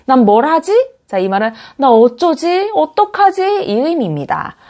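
A woman teaching an online English lesson with a fairly high, very lively voice. She explains eagerly and repeats English example phrases slowly and clearly, sentence by sentence.

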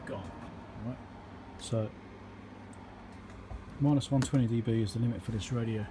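At an indoor electronics workbench, a man with a medium-pitched voice speaks at a normal speed as he hosts a casual, hands-on repair video. He talks through each step matter-of-factly while working. The audio comes from a handheld camera or phone mic and carries loud hiss and background noise.

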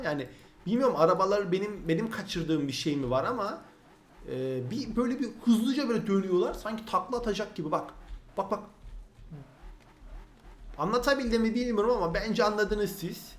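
A young Turkish man giving casual, excitable gameplay commentary as a gaming channel host. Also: high voice, echoey room. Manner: excitable, chatty, says "abi" a lot.

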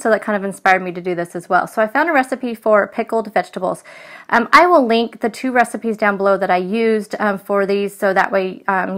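Chatty woman narrating her cooking. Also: medium pitch. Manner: chatty, with frequent ums. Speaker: food vlogger. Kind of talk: casual voice-over narration of cooking.

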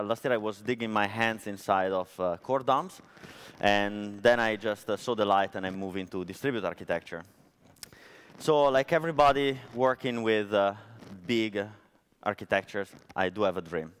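A man's voice: fairly low pitch, a bit bright, clear, resonant tone. A man in his thirties from Italy with an Italian accent, giving a chatty technical conference talk on stage with lots of fillers, on a headset mic. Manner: chatty, storytelling, frequent fillers. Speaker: conference speaker. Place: large conference hall stage.

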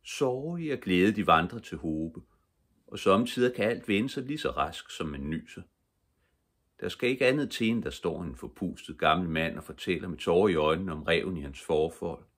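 An older man reading a children's book aloud as a calm, measured bedtime story. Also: sits low. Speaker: audiobook reader.

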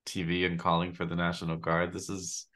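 A man's voice: low-pitched, monotone, brisk, a bit bright. A man in his fifties, a podcast host, talking through ideas in a casual video-call discussion, searching for words as he goes. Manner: thoughtful, searching for words, gestures a lot. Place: home room on a video call.

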